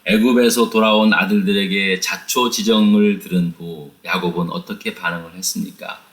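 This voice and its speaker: A man teaching a lively Bible study, retelling the story with many rhetorical questions and addressing his listeners directly. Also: low voice, moderate pace.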